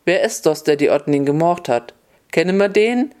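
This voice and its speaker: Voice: mid-range voice, expressive, moderate pace, darkish tone, close to an everyday voice. A storyteller voicing a defiant young girl in a snow-white dress, speaking in with a cheeky, matter-of-fact manner. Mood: pert.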